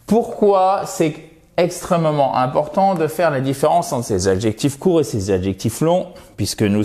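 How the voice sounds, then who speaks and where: A man giving a recorded lesson over slides, emphatic, slowing down to model English words and their stress. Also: mid-range voice, a little mellow. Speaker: English teacher.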